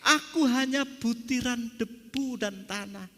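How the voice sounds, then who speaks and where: Preacher playing Job: suffering, humble old man pleading upward, high and strained, reverberant hall. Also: unhurried, a bit bright, exaggerated voice. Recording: long church hall reverb.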